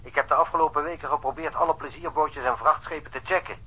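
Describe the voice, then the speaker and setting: A man's voice: fairly high pitch, fairly even intonation, quick pace, sharp tone, husky. An actor playing a diligent, eager policeman reporting over a telephone line in a radio drama. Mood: eager, matter-of-fact. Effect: telephone filter.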